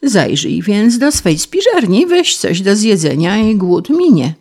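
A woman's voice: medium pitch, very animated, measured pace, a little mellow, voice pushed up. A woman voicing a prim, cold-hearted female ladybird who moralizes scornfully. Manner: scornful and preachy.

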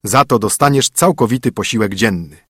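A man's voice: fairly low pitch, brisk, a bit bright, breathy edge, no echo, clean studio sound. A man voicing a stern young king disguised as a poor fiddler, commanding, in a storybook reading. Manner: commanding, firm.

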